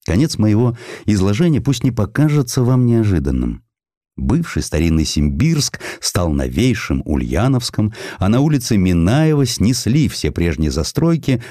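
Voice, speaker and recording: A deep-voiced male audiobook narrator delivers dramatic literary narration in a measured, expressive storytelling style. The recording is dry, with clean studio sound.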